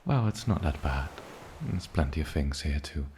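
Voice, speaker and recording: A man playing an eccentric, lonely, ancient island demon in a soft-spoken fantasy ASMR roleplay, with a gravelly low voice and musing, polite pauses. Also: expressive, a little hiss or hum. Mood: wistful, inviting.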